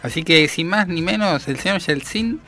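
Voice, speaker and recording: A man hosting a radio show with a jokey, energetic announcer delivery. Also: on the high side, normal speed, faint music behind. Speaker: radio host.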